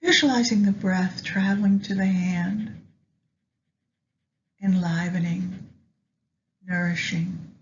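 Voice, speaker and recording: Woman meditation guide, unhurried pace, gentle measured phrasing, long pauses, dull lo-fi recording. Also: lowish voice, fairly even intonation. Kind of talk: guided meditation with astrology narration. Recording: dull lo-fi sound, faint background noise.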